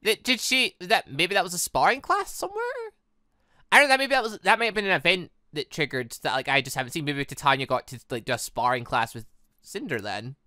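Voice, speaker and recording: A British man gives rambling, casual commentary on a visual novel playthrough. His voice is bright and forward, with pitch that swings around in an animated way. The sound is close and dry. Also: brisk, dry recording. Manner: rambling, musing aloud. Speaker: gaming video host.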